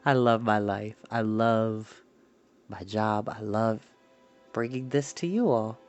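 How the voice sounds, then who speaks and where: Animated storytime man over background music. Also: on the low side, slow, dull audio. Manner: theatrical, animated, exuberant. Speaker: storytime host reading books aloud. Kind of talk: chatty personal introduction to a storytime show. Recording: music behind the voice. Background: background ambience music.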